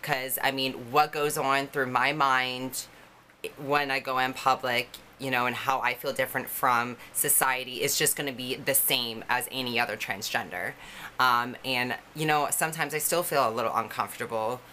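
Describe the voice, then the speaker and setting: Low-voiced young woman, bright tone. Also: fairly even intonation, normal speed, slight background noise. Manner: candid, conversational, many fillers. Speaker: vlogger. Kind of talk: personal story to camera.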